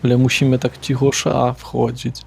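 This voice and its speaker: A man's voice: mid-range voice, monotone, moderate pace, creaky, a little mellow, slightly rough, soft background music. A man speaking in character in a tabletop roleplaying game, casual and rambling. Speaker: player.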